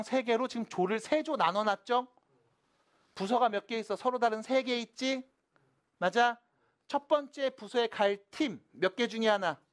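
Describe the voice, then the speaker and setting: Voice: mid-range voice, fairly bright tone. A math teacher giving a classroom lecture, switching between casual and polite speech and constantly asking the students whether they follow. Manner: checks in constantly with quick casual questions.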